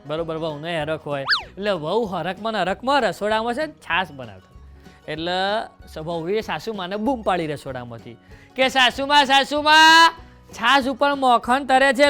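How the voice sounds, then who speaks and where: A man performing stand-up comedy, telling jokes and stories to the audience in a lively way. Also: high voice.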